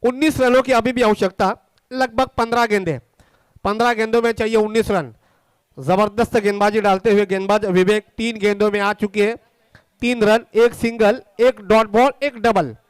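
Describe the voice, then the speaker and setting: An Indian man calls a cricket match live in a very high-pitched, smooth and clear voice. He sounds excited as he follows the play ball by ball and keeps restating the score. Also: normal speed, dry recording.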